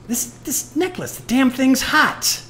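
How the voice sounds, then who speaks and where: A woman's voice: sits high, very animated, takes it slowly, fairly bright tone, exaggerated voice. A woman acting a bitter, wisecracking retired male jazz musician in a live noir audio play, talking in hep-cat slang. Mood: rattled, incredulous. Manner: hep-cat slang, sardonic, stammers when rattled. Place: live on stage in a club.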